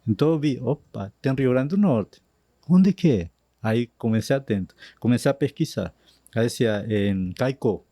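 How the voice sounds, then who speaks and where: A man with an Argentine accent tells his story in an interview, his Spanish showing through his Portuguese. His voice is mellow and soft-edged, recorded close and dry with no room around it. He speaks slowly, with lively lifts on the lines he quotes. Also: medium pitch, no echo. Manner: slow, animated retelling with Spanish words slipping in. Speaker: missionary guest.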